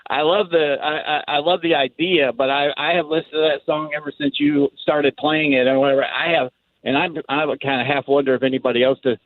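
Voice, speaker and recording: A man's voice: a little high, steady tone, a little fast. A man calling in to a radio show from Dallas, casual and rambling with many fillers. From Dallas, Texas. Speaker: caller. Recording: phone line.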